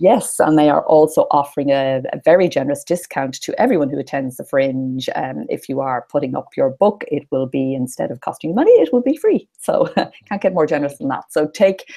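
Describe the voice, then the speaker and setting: This woman talks at a fairly quick pace, with hardly any pauses. She has an Irish accent. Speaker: online conference host. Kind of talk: live broadcast welcome. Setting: live online broadcast.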